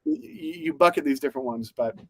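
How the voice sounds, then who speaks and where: A man's voice: mid-range voice, very animated, fast talker, fairly bright tone, husky, no room sound, low-quality recording. A man co-hosting a podcast, talking through news in a rambling casual way with many fillers and restarts. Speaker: podcast co-host.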